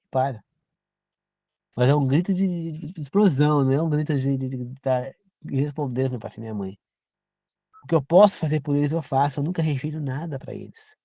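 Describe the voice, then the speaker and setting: A man's voice: fairly high pitch, darkish tone, dry recording, lo-fi sound. A man from Brazil giving an informal sermon, earnest and repetitive, often turning to the listener with direct questions. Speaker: preacher. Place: rural home.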